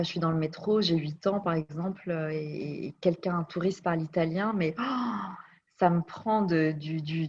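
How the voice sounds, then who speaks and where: A woman with a fairly low voice looks back on her life in an interview, thoughtful and searching for the right words as she goes. The sound is dull and a little lo-fi. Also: darkish tone, slight background noise. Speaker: interview guest. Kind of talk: personal storytelling interview. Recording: dull lo-fi recording.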